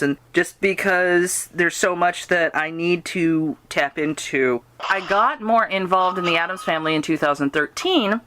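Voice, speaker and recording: A woman hosting a podcast, chatting casually in a rambling, giggly way that gets animated when she quotes people. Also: low-pitched, slight background noise. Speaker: podcast host interviewing a guest. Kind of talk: casual chat about fan fiction and radio drama.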